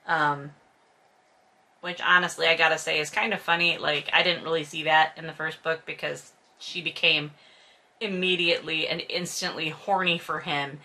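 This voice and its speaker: Low-pitched and flat, her delivery runs at a moderate pace with a sharp tone. She's the host reading and critiquing a novel, casually roasting it with sarcastic, exasperated, profane humor and plenty of exaggeration.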